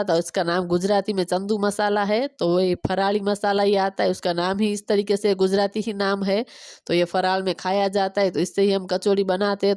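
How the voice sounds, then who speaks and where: A woman in her thirties from Gujarat, native Gujarati speaker, chatting quickly through a home cooking and cleaning vlog on a phone camera. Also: mid-range voice, a little mellow, no echo, clean studio sound. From Gujarat, India. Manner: fast-talking, chatty step-by-step explaining. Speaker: vlogger.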